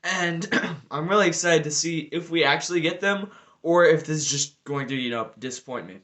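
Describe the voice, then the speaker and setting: A man's voice: a little high, moderate pace, fairly bright tone. Rambling man chatting on a vlog. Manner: rambling, with many fillers like "you know" and "like". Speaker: Lego video creator. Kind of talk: casual speculative vlog chat.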